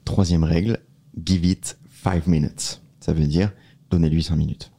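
A man co-hosting a casual podcast, laying out ideas in a steady, measured way. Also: sits low, creaky, breathy edge. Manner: explains rules in a steady, measured way. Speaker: podcast co-host.

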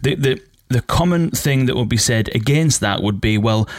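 A man hosting a solo podcast, talking through ideas in a casual, thinking-aloud way, his voice croaky from a cold. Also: mid-range voice, animated, moderate pace, no room sound, clean studio sound. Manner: conversational, thinking aloud with fillers and restarts. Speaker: podcast host.

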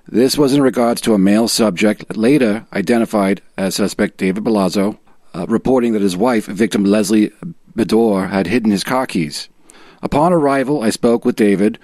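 A man's voice: lowish voice, darkish tone, no room sound, close to an everyday voice. A man acting out a stock movie cop with a thick mash-up of northeastern American accents. He delivers a police report in formal, procedural, matter-of-fact fashion. The recording is dry and close, with no room around it. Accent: exaggerated northeastern US. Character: clichéd gruff East Coast American movie cop reading a police report. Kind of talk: dramatic reading of a police report.

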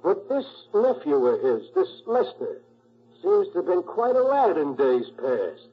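Tough husky police sergeant, lively and slangy, 1940s radio drama, muffled sound. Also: male voice, high voice, a little slow, exaggerated voice. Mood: businesslike. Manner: blunt, slangy. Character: tough, blunt male police homicide sergeant.

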